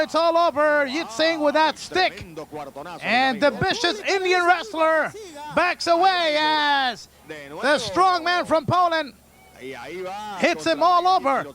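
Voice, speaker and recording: A very high-pitched man calls a wrestling match play-by-play as an excitable lucha libre announcer.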